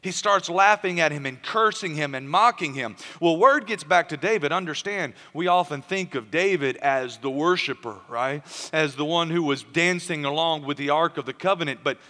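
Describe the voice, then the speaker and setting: Bright-voiced preacher in an echoing hall. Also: male voice, fairly high pitch, moderate pace, hardly any pauses. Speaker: pastor. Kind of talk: sermon.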